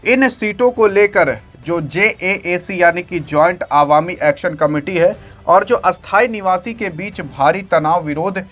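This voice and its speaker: A man's voice: high-pitched, a little slow, a bit bright, soft background music. A man hosting an online news video, giving dramatic, emphatic commentary and talking straight to his viewers. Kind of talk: excited news commentary to camera.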